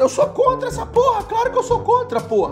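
Someone delivers a put-on character voice at a fairly quick pace over clear music in the background. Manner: emphatic, indignant.

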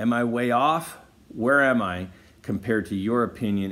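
A man's delivery keeps a moderate pace and ordinary pitch variation. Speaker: sports card collector channel host. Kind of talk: casual vlog Q&A chat. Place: home room. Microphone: phone near.

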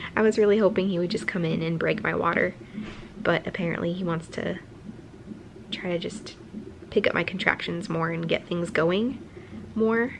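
Against noticeable background noise, a woman speaks at a moderate pace with fairly even intonation and long, frequent pauses. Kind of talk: casual vlog chat. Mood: anxious, worried. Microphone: phone near.

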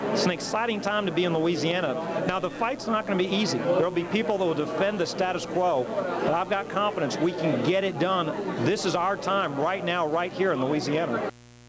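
Over noticeable background noise, a high-pitched man talks at a fairly quick pace with hardly any pauses, very even loudness and ordinary pitch variation. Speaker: gubernatorial candidate. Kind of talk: campaign announcement speech. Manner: fast-talking.

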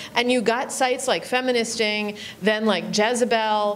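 A woman speaks at a moderate pace, and light background noise sits under her voice. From US, suburban Philadelphia. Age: 40s. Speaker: journalist and author. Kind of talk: panel discussion. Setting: stage with live audience. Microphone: handheld.

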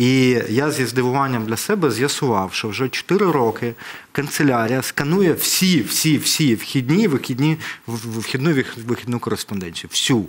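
The man's intonation moves in a lively way. He keeps a fairly slow pace. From Ukraine. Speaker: state property official, lawyer; lawyer. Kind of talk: studio talk show discussion. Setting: TV studio. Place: studio. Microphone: headset.

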